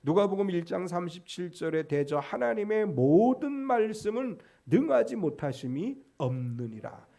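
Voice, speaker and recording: A man's voice: fairly high pitch, dark tone. A man preaching a sermon as pastor, quoting scripture and speaking with emphatic rises and drops.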